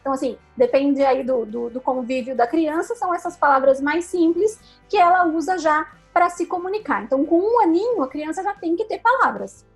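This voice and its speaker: A woman with a high voice explains things patiently and step by step, as a speech therapist guest. She often checks in with a quick "né?". Soft music plays faintly underneath. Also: lively intonation. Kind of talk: explanatory interview answers.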